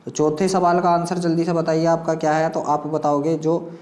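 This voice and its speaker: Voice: mid-range voice, level tone, moderate pace, a little mellow. A teacher explains a practice quiz, reading out questions and options and addressing learners directly with repeated instructional phrases. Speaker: exam coaching teacher. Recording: echoey room sound.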